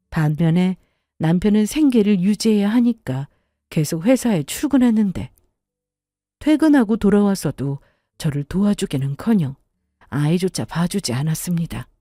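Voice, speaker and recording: A woman's voice: mid-range voice, warm tone, no echo, clean studio sound. A woman narrating her own story in the first person, indignant and confiding.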